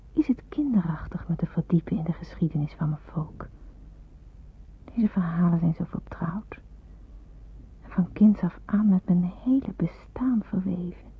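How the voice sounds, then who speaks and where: An actress playing an earnest, devout young Jewish woman in hiding, speaking her reflections slowly in a hushed, breathy radio-drama monologue. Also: medium pitch. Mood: pensive, reverent. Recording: muffled roomy phone-like old radio recording.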